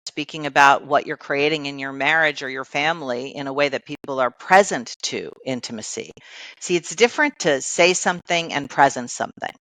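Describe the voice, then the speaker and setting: A woman's voice: a bass voice, a little fast, a bit bright, dry recording, low-quality recording. A woman life coach, a podcast guest, explaining ideas patiently with many everyday examples.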